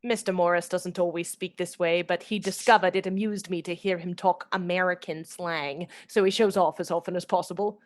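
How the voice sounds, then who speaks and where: A woman's voice: on the low side, steady tone, brisk, hardly any pauses, close to an everyday voice. An actress playing a sweet, chatty young Victorian lady in a radio play, confiding and dramatic in a girlish way. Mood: gossipy. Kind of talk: radio play acting and storytelling.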